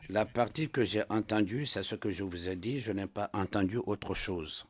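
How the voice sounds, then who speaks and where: A man's voice: on the low side, moderate pace, breathy edge. A man testifying as a witness in a courtroom, answering questions insistently and repeating his points. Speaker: trial witness.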